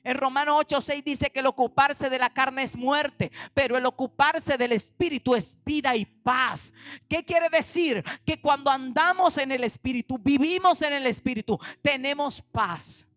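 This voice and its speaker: Animated woman pastor preaching. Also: high voice, normal speed, no room sound. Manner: animated preaching, acting out quoted voices; swings between loud emphatic lines and quiet asides. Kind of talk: sermon.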